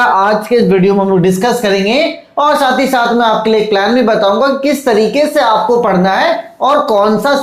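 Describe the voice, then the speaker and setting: Male online tutor, high voice, fatherly and coaxing, roomy echo. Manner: coaxing, fatherly, calls students "beta"; repeats checks like "theek hai" and "dekho". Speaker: teacher. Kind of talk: online lecture to students.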